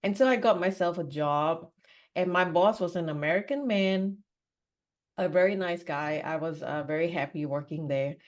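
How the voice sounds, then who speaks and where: A Singaporean woman with a lowish voice, speaking at a moderate pace, tells her personal story in a podcast interview. She's candid and rambles, with frequent "you know"s and "like"s.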